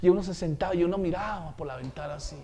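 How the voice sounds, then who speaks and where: High-voiced preaching man. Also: racing, a little hiss or hum. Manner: animated storytelling, acts out quoted voices, swells loud on praise. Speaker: pastor. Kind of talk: sermon.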